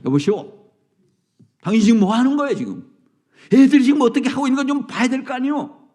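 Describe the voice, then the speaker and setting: Man doing an indignant passenger, rebuking, fast. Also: extremely high pitch, expressive, darkish tone, voice pushed up. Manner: rebuking, quick. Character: indignant male passenger, confronting.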